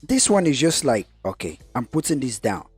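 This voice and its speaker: Cameroonian guy on a podcast, husky voice, gets loud and high when he makes a point, faint music behind. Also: normal speed, no echo. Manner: animated, rises in pitch when stressing points. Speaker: guest investor. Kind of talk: podcast conversation.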